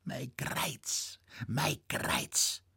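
Bent old Bavarian woodsman, read by a man, quavering, plaintive, with a husky dry voice. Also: mid-range voice, unhurried, no echo. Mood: lamenting. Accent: Bavarian dialect. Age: older. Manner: complaining, then effusive and excited. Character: stooped old Bavarian hunter, frail and lamenting.

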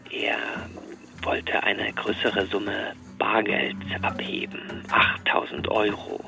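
A man's voice: fairly low pitch, gravelly. An actor playing a formal, worried male bank clerk leaving a voicemail. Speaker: bank employee.

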